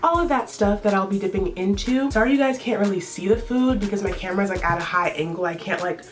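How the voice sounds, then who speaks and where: A woman's voice: medium pitch, quick pace. Young woman just chatting n eating at home, slangy and loose, faint music in the back. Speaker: vlogger. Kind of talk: casual mukbang chat. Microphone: camera on a tripod.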